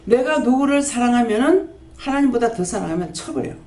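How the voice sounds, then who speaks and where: Gravelly woman pastor scolding in an echoey hall. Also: a little high, animated, mellow. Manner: scolding, rapid-fire rhetorical questions. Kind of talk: sermon. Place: prayer house church. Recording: echoey church hall, faint background noise.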